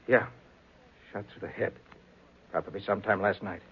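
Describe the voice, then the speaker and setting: An actor playing a calm, matter-of-fact master detective with an authoritative manner in a 1940s radio crime drama. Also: male voice, on the low side, moderate pace, breathy edge. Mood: businesslike. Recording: muffled, hazy 1940s radio recording.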